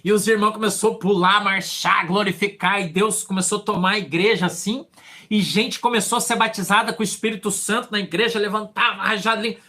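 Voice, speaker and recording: A man with a Brazilian Portuguese accent preaching a sermon, telling a testimony with animated swings from hushed asides to shouted lines. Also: high-pitched, fairly quick. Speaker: pastor.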